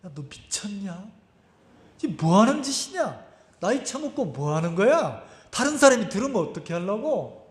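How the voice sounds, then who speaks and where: A pastor voicing his own inner voice, a hushed, chiding man's voice objecting to what he is doing. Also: high voice, very animated, normal speed, echoey room.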